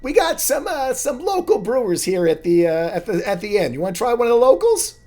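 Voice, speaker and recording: Man doing a loud, high halfling barkeep. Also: very animated, a little fast, heavily acted. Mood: boisterous, friendly. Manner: loud, chatty and welcoming. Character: jovial male halfling bartender.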